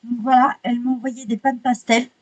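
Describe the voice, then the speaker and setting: A woman chatting casually while unboxing art supplies, excitable, swearing lightly and apologizing often. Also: a little high, a little fast, dull audio.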